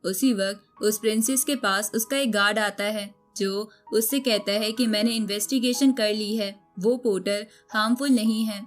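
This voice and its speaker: A woman's voice: mid-range voice, steady tone, moderate pace, hardly any pauses. A woman reading a scripted story recap as a narrator, telling the events in storytelling style. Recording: music bed under the voice. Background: background music.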